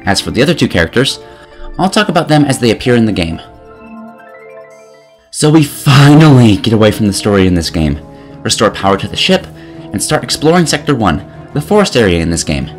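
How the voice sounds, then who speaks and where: A man narrating a scripted comedic game review in an exasperated, sarcastic way. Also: medium pitch.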